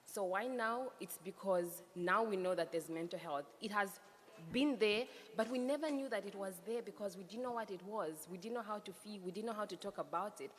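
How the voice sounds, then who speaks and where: A young woman from Zambia moderating a youth panel discussion, speaking in an earnest, emphatic way and repeating her key points. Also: medium pitch. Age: young adult. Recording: hall reverb with faint background noise.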